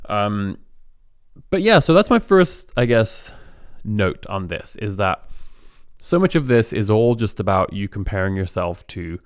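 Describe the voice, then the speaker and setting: A man's voice: lowish voice, very animated, a little slow, smooth, dry recording, clean studio sound. A young adult man hosting a podcast, talking in a reflective, chatty way, with plenty of fillers and restarts. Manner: reflective, chatty, lots of fillers and self-corrections. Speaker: podcast host. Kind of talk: relaxed podcast monologue.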